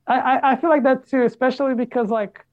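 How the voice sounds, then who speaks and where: A woman's voice: sits high, steady tone, quick pace, darkish tone, muffled recording. A woman from Portugal who works as a translator, chatting casually with lots of fillers and restarts. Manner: chatty, many fillers and restarts, laughs easily. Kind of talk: casual podcast chat.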